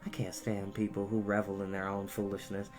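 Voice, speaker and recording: A man voicing a sinister, vain male villain in disguise, with a wheezing, scratchy voice and a slow, smug drawl. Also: fairly low pitch, monotone, faint music behind, pitched below the performer's own voice, lightly acted. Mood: scheming.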